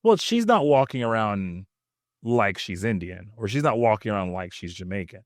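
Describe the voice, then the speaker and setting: A man's voice: lowish voice, animated, moderate pace, dry recording, clean studio sound. A man hosting a casual podcast discussion, informal and often checking back with questions. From Nigeria or Nigerian family. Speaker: podcast host moderating.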